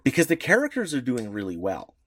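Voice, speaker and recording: A man co-hosting a podcast in casual chat, opinionated and animated, swearing freely. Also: medium pitch, fairly quick, no echo. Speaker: podcast co-host.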